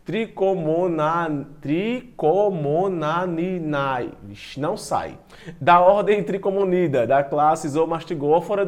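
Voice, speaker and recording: A man's voice: on the high side, a little mellow. A man giving an informal online lecture, reading from slides and commenting in a chatty way, sometimes tripping over technical words. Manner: stumbles and restarts over long technical words, self-deprecating; chatty, addresses students directly. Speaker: biology teacher presenting an online class.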